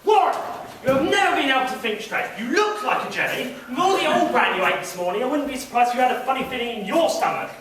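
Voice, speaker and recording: A man's voice: very high voice, expressive, fast, over a noisy crowd. A man playing a tart, bossy middle-aged mother in a stage pantomime, handing out haughty, dry put-downs. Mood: tart, mocking. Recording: very noisy echoing hall, distant mic.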